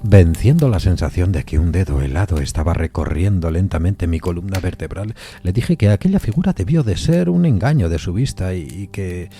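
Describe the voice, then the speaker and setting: A composed gentleman narrating a ghost story in an audio drama. His voice is low and extremely mellow, his delivery measured and deliberate, with music underneath. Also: animated. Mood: uneasy, reasoning. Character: composed, rational gentleman visitor narrating an eerie tale. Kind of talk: literary first-person narration in audio fiction.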